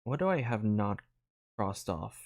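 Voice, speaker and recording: Gravelly-voiced man streaming casually. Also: on the low side, expressive, unhurried, background noise. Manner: casual, thinking aloud, swears. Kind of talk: live reaction stream.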